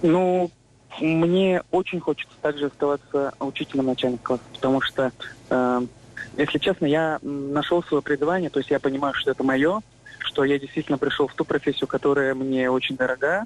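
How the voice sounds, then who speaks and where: In an ordinary speaking voice, a man with a fairly high pitch talks at a moderate pace with fairly even intonation and very even loudness, the sound dry and close with no echo. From Udmurtia, Russia (rural village). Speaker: primary school teacher. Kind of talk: radio interview.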